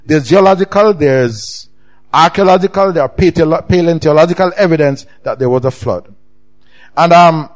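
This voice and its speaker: A middle-aged man with a Jamaican accent, preaching a sermon with emphatic swings in pitch and loudness. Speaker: pastor.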